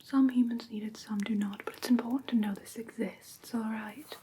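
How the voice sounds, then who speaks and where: A woman playing a gentle vampire teacher in a whispered ASMR roleplay, patiently instructing in a soft, breathy, soothing way. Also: on the high side, fairly even intonation, normal speed. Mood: gentle, instructive. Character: gentle female vampire teacher of human pet care.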